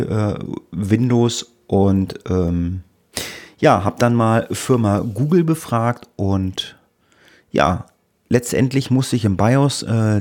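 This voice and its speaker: A man's voice: lowish voice, darkish tone. A man co-hosting a casual podcast chat, telling grumbling tech stories in a rambling way full of fillers. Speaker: podcast co-host.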